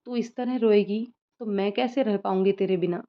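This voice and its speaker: A woman's voice: mid-range voice, fairly even intonation, moderate pace, lightly acted. A woman voicing a soothing, loving mother. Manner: soothing and tender. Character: loving middle-aged mother, emotional. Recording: slightly muffled lo-fi recording.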